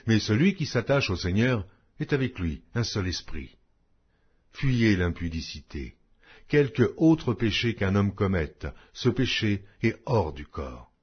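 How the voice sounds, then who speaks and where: A man's voice: lowish voice, breathy edge. A man narrating a Bible audiobook in a solemn, declamatory way, reading scripted text with emphatic phrasing. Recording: dull, lo-fi audio.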